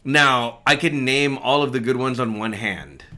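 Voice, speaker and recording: A man's voice: medium pitch, a little slow, bright, forceful tone. A man co-hosting a casual gaming podcast, skeptical and contrarian, often murmuring agreement. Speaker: podcast co-host. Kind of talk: casual panel chat.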